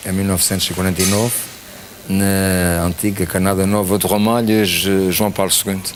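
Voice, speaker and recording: A man's voice: low voice, little pitch movement, a little fast, soft background music. A man in his sixties from São in the Azores, telling his life story plainly as a TV interview guest. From São Miguel, Azores. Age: 60s. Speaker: guest, retired army major.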